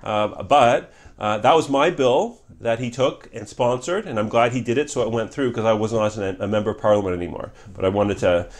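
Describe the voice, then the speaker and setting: A man's voice: lowish voice, fairly quick. A middle-aged man whose first language is Polish, a former member of Parliament answering interview questions in an earnest, repetitive way with many restarts. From Canada.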